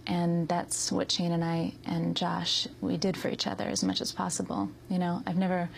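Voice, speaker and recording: Low gravelly american woman in her 30s, soft and halting with lots of ums, faint hiss behind. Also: completely flat delivery. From United States. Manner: hesitant, with many ums and soft laughs. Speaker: interview guest. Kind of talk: soft-spoken interview answers.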